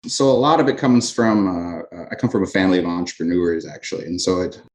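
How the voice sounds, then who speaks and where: A man with a North Dakota accent speaks in a low register, with audible room echo around him. He talks casually as an interviewee, pausing and repeating himself as he forms his answers. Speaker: interview guest, business owner. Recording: roomy, echoey sound.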